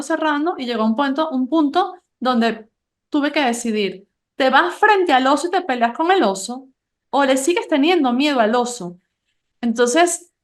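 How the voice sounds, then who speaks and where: A high-pitched woman, hosting a podcast conversation. She tells personal stories animatedly, quoting herself and laughing along the way. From Venezuela. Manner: warm, animated storytelling with laughs. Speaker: podcast host.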